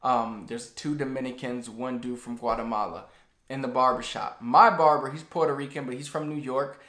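A man in his thirties giving a casual, animated lesson to the camera in a small room. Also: medium pitch, moderate pace, reverberant. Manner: animated, gestures a lot while talking. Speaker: language teacher. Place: small plain room indoors.

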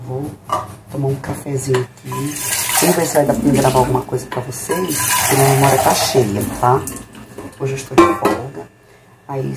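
Speaking in a rumbling, creaky low voice, a middle-aged vlogger with a Brazilian accent rambles casually to her viewers indoors at home. She records herself on a phone at arm's length, so the handheld audio is noisy and the rooms small.

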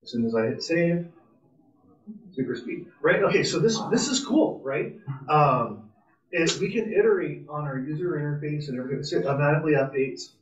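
A man's voice: a little high, lively intonation, brisk. A man presenting an informal live coding tutorial at a club meetup, casual and enthusiastic, thinking aloud as he types. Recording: distant, roomy, muffled meeting-room sound.

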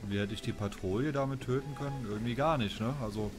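A man's voice: mid-range voice, fast, noisy background. A man, casually commenting as he plays a video game, chatty and self-mocking as he thinks aloud. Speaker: let's play commentator. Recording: game music loud behind. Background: game music and sounds.

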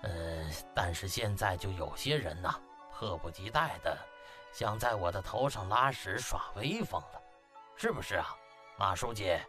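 A man voicing an old hospital director, cold and quietly defiant, with deliberate, biting sarcasm in an audiobook drama. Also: deep voice, expressive, over music, voice pushed down. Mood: cold, sarcastic.

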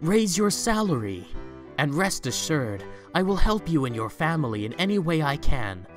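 A man's voice: a little high, big pitch swings, moderate pace, faint music behind. A man playing a giddy, generous reformed rich man in an audio drama, exclaiming in formal old-fashioned phrases. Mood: warm. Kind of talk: fan audio drama acting.

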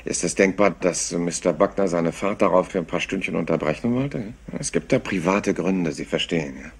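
A rumpled police inspector in a crime radio play. His voice is low and husky, and he sounds hesitant and apologetic while quietly prying. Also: fairly quick, exaggerated voice. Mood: apologetic, probing. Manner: hesitant, apologetic, deceptively casual. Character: rumpled, polite, slyly persistent male police inspector.

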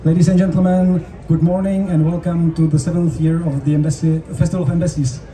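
Very mellow Czech-accented male interpreter, higher voice. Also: level tone. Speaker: interpreter and stage host. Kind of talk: live consecutive interpreting at a public event. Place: open-air covered festival stage. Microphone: handheld mic through PA, recorded from audience. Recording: roomy, distant stage PA sound with noise.

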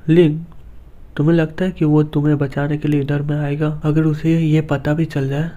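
A man's voice: on the high side, level tone, normal speed, mellow, lightly acted. A man reading as an arrogant young villain. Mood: arrogant menace. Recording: dull lo-fi recording.

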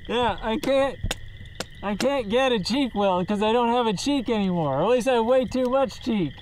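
A man's voice: very high voice, expressive, a little slow, pauses often, a little mellow, a little hiss or hum, rough recording. A man talking through a gas mask while shooting outdoors, joking and laughing at himself in casual chat. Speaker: host shooting at a range.

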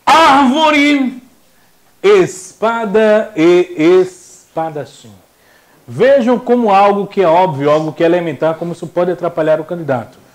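Young guy from the northeast teaching a class, high voice, jokes around and does voices. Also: fast. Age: young adult. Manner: jokey and animated, acts out voices. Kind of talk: classroom lecture.

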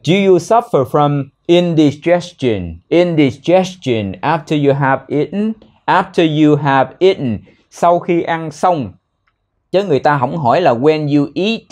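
A young man teaching spoken English in a casual way, explaining phrases and repeating words slowly so learners can copy them. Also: fairly high pitch, a little mellow.

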